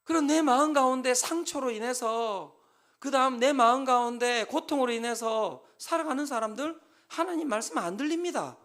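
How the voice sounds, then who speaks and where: A man preaching a Sunday sermon as pastor, lively and emphatic, at times shouting as he acts out counseling talks. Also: very high-pitched, moderate pace.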